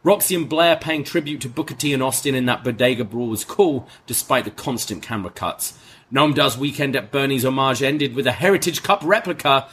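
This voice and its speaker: Man in his thirties, podcast co-host, bright tone, husky edge, joking manner. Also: medium pitch, a little fast. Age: 30s. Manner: joking, playful banter. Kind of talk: casual podcast chat.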